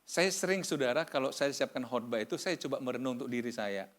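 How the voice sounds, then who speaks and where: A male pastor in his sixties from Indonesia, preaching a sermon, moving from loud emphatic exhortation to quiet personal confession. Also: medium pitch, lively intonation, fast. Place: church hall.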